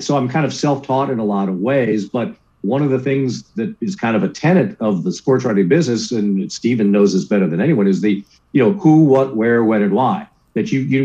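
A man in his sixties tells stories from his career in a casual interview, mimicking the people he quotes. His voice is dark and mellow. The audio sounds a little muffled and lo-fi. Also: mid-range voice. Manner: lively anecdotes, acts out quoted voices, keeps asking "right?". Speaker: guest, sports broadcaster.

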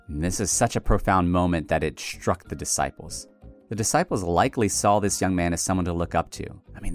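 A man delivering a calm, measured scripted devotional reflection in an earnest manner. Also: deep voice. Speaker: devotional speaker. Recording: faint music underneath.

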